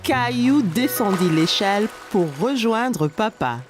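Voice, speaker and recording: Children's narrator, woman: gentle, scripted storytelling, very melodic range, clear music underneath. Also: on the high side, animated, slow pace.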